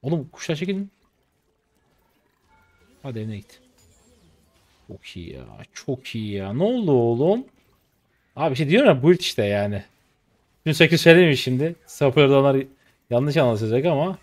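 With a medium pitch, normal speed, and long pauses, this Turkish streamer in his late twenties gives casual commentary on his own gameplay. His talk is slangy and excitable, rising to shouts when the game turns.

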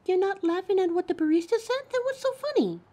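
Woman as very high-pitched, flustered young female thief. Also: lively intonation, fast, mellow. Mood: indignant. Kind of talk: scripted audio drama, one side of a phone call. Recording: clear background noise, coffee house ambience.

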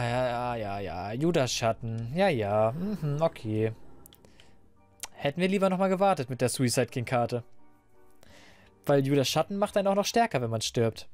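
A man doing casual, rambling commentary while playing a game, a little hoarse and stuffy, into a desk microphone. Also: medium pitch, darkish tone. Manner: chatty, rambling, self-mocking. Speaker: let's player.

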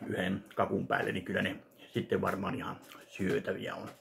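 Low gravelly man unboxing at home. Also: completely flat delivery, background noise. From Finland. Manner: slow, halting, listing items one by one. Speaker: vlogger unboxing a fan package. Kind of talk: casual unboxing commentary. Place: home kitchen indoors. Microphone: webcam at desk distance.

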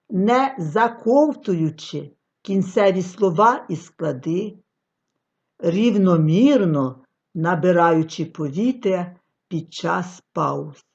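Slow, lively-voiced woman teaching declamation. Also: fairly low pitch. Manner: expressive declamatory delivery with long pauses. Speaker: reading teacher. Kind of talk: scripted lecture on artistic reading. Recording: dull lo-fi recording.

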